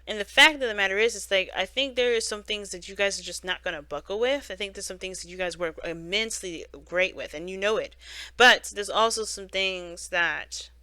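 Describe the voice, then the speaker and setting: A tarot reader with a medium-pitched, fairly quick, pushed and bright voice gives a casual spoken reading with no echo. The reading rambles along with frequent "you know" and "right?" and many self-correcting restarts.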